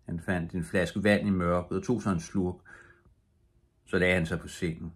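An older man with a very low, husky voice reads a bedtime story aloud as an audiobook reader. He is calm and steady, keeping an even pace from line to line.

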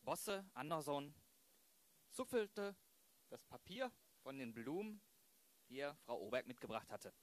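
A man's voice: a little high, very animated, a little slow, long pauses. A man narrating an audio drama as a storyteller.

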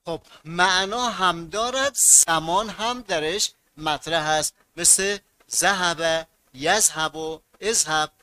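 A man's voice: on the high side, bright, forceful tone, clean tone. A man teaching a grammar lesson to students, repeating key words and asking them to fill in blanks.

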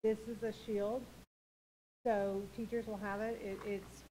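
Middle-aged female official, average pitch, presenting, faint room noise. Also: level tone, unhurried, dark tone, poor audio. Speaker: school district administrator. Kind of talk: demonstrating and explaining at a meeting. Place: large meeting room. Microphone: table microphone.

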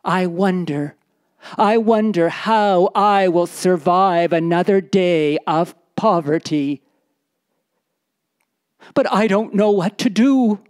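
A proud, poor desert nomad husband, as a woman storyteller plays him. He declaims emphatically in a raised, high voice, slowly and deliberately. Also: darkish tone. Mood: worried.

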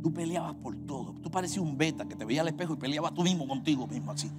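A man with a Puerto Rican accent preaching a sermon, swinging from quiet talk to shouted, sung exhortation over music. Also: a little high, animated, very fast. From Puerto Rico. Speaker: pastor.

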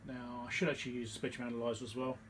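A man's voice: mid-range voice, level tone, very fast, a bit bright, slight background noise, rough recording. A man giving a casual, hesitant workbench demonstration, rambling in an understated way in a home workshop. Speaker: electronics repair video host. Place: home electronics workshop, indoors.

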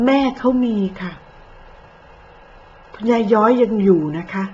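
A woman's voice: medium pitch, measured pace, dark tone. A woman in the middle of her range lays into her targets with accusing, cutting commentary, moving from polite speech to crude speech. The recording sounds a little dull, with a faint hiss of noise behind her. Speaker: online commentator. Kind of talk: scolding commentary.

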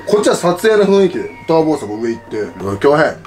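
A young man telling a comic story about a friend, imitating his friends' lines in a lower voice. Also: sing-song, rapid-fire, a little mellow, soft background music. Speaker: YouTuber, group member.

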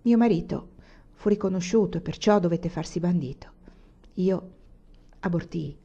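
A woman reading the part of a poor widow, weary and bitter, speaking quietly. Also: on the low side, fairly even intonation, a little fast, close to an everyday voice. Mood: sorrowful. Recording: dull lo-fi recording.

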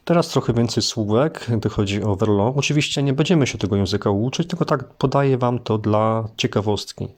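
Low-voiced man teaching a language lesson. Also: darkish tone. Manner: explanatory, unhurried, with hesitant fillers. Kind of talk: casual spoken lesson.

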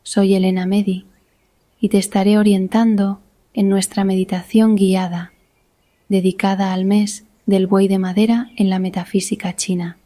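A woman guiding a meditation in a soothing, deliberate manner with long pauses between phrases. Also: mid-range voice, little pitch movement, warm tone. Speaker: guided meditation instructor. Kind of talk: slow guided meditation narration.

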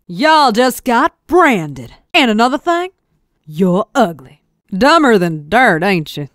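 A woman's voice: on the high side, a bit bright, clear, resonant tone, no room sound, studio quality, exaggerated voice. A woman voicing a brash, folksy cowgirl engineer with a Texan accent and a drawling way of talking. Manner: drawling, folksy trash talk. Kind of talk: game voice lines.

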